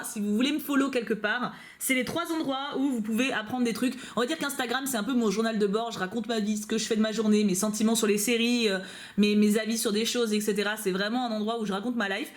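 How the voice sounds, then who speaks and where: Woman, YouTuber, casual chat, bubbly, quick talker, filler-heavy, at home. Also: fairly high pitch. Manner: chatty, bubbly, many fillers and asides. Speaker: YouTuber reacting to fan mail. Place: at home on a couch, dog nearby.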